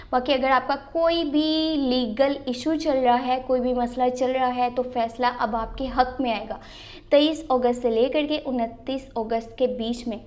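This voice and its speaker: Her voice sits high with a darkish tone, a little sore in the throat, as this Pakistani woman hosts her channel and reads tarot for viewers. English phrases come up throughout her talk.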